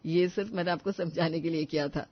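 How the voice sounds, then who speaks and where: A woman voicing a patient young man who reasons with his mother in an animated story. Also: fairly low pitch, fast, no room sound, dull audio, close to an everyday voice. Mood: reasoning. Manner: calm, reasoning, placating. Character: grown son, patient young husband.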